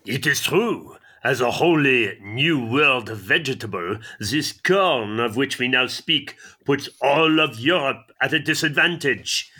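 A man's voice: medium pitch, lively intonation, takes it slowly, few pauses, bright, forceful tone, heavily acted. A man playing a gloomy, haughty French existentialist with a French accent in a radio comedy sketch. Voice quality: haughty, sardonic.

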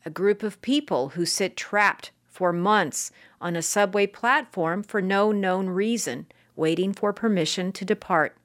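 A woman hosting a public radio book program, reading a literary introduction and asking an author about her work in a measured way. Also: medium pitch. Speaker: radio host.

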